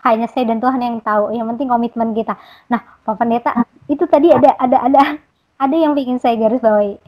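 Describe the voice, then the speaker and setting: A woman's voice: fairly high pitch, fairly even intonation, fast talker. Chatty woman interviewer, slightly muffled. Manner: chatty, prompting, with fillers. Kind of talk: casual interview.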